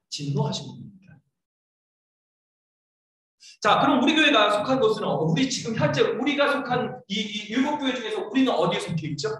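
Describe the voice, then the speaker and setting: A man's voice: sits high, a bit bright. A man preaching a sermon as pastor, often putting questions to the congregation and acting out scolding lines in a raised voice. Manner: keeps asking the congregation questions. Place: church sanctuary. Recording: echoey church hall, mic far off.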